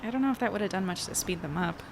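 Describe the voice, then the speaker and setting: A woman's voice: mid-range voice, racing, noisy background, natural voice. An actress playing a caring, curious young woman chatting with friends in an audio drama, casual and a little hesitant. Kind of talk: acted dialogue in an audio drama podcast.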